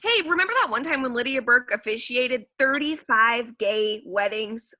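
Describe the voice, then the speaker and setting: A woman acts out a brash, dramatic actress griping and boasting over drinks. Her voice is bright and fairly high, blunt in a comic sketch style, with a very dry recording. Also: animated, normal speed, dry recording. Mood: brash, grumbling. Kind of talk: comedy sketch reading.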